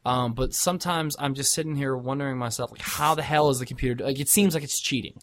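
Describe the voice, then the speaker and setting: A man's voice: medium pitch, steady tone, fast, a bit bright. A man co-hosting a casual chat about games, rambling with many fillers and restarts.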